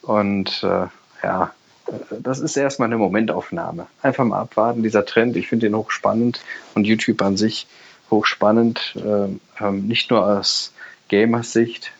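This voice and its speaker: A man's voice: fairly low pitch, steady tone, a little slow, gravelly, husky. Man in his mid-thirties, dull lo-fi sound. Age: mid-30s. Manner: hesitant, many fillers, short backchannel replies. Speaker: podcast co-host. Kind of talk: casual chat.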